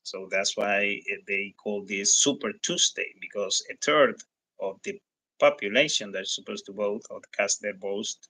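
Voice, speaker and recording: Halting, bright-voiced man with a Hispanic accent. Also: on the low side, no echo, poor audio. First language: Spanish. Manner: halting, searching for words. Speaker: livestream host. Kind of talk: live election results commentary to viewers.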